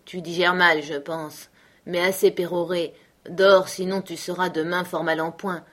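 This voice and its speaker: Brief: woman reader as a weary, gruff grown man on the trail, grumbling, dismissive. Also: fairly low pitch, level tone, a little slow, fairly bright tone. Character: gruff, weary adult male trapper.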